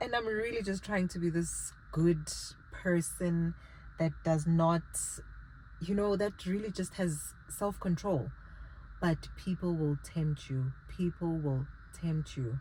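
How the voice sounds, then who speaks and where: Speaking with a Zulu accent, a woman talks at a very slow pace with long, frequent pauses. Her fairly low voice has a dark, mellow tone, ordinary pitch variation and a somewhat breathy quality. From South Africa. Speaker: vlogger. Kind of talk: casual vlog talk.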